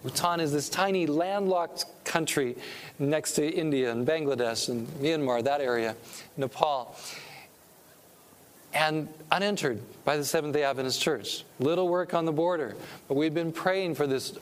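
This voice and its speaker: Earnest preaching man, slightly high voice. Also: moderate pace. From California. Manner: earnest, preacherly, rising with emphasis on key points. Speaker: pastor and missionary speaker. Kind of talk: sermon-style talk to a church audience.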